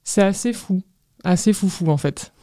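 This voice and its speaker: A woman's voice: medium pitch, normal speed, mellow, dry recording. A woman in her thirties answering casually as an interview guest, hesitant and often searching for words. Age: 30s. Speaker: guest artist, ceramicist.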